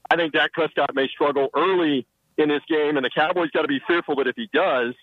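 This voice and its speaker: A man reporting from the sideline as a radio show guest, rattling off confident football analysis. His voice sits a little high and sounds close and dry. He is calling in from under shelter outside a stadium. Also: steady tone, no room sound, narrow, tinny audio. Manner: confident, rapid-fire football breakdown. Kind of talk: radio sports analysis by phone.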